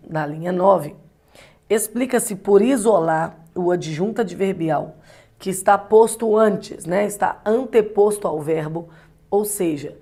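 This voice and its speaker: Woman from Brazil, lower register, teacher explaining exam items with frequent check-in questions. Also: warm tone. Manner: explanatory, asks rhetorical questions, frequent tag "né". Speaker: Portuguese teacher. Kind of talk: exam-prep lecture.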